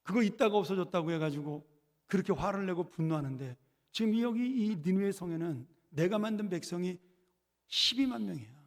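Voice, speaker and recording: Man voicing a gentle God, slow calm questions, echoing sanctuary. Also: sits high. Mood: coaxing. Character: patient gentle male God, coaxing. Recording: long church reverb.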